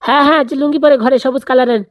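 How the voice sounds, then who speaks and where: নারী কণ্ঠে খুব দ্রুতভাষী গ্রামের বুড়ো পুরোহিত. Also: female voice, sits high, steady tone, rapid-fire, lightly acted. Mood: surprised, curious. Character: chatty, boastful old village Brahmin priest. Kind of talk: comedy cartoon dialogue.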